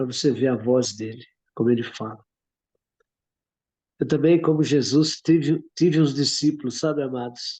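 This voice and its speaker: His delivery unfolds at a moderate pace. This man keeps his intonation fairly even. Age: 60s. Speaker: lay preacher. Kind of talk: testimony.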